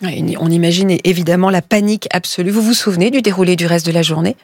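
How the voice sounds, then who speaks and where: A woman's voice: on the low side, fast talker, slight background noise. A woman hosting a live radio interview show, telling stories in an engaging way. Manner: engaging storytelling delivery. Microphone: studio microphone.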